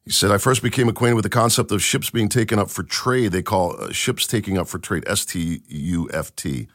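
A man's voice: fairly low pitch, a little fast, fairly bright tone, dry recording, clean studio sound. A man hosting a podcast, giving emphatic, enthusiastic commentary and reading from an article. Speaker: podcast host.

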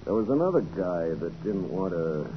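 An actor playing a smug small-time racketeer who taunts and threatens in an old radio crime drama. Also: male voice, low-pitched, very animated, normal speed. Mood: quietly threatening. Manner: taunting, smooth-talking threats. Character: menacing small-time racketeer, smug strong-arm crook. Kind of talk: 1940s radio crime acting. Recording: muffled, noisy 1940s radio recording.

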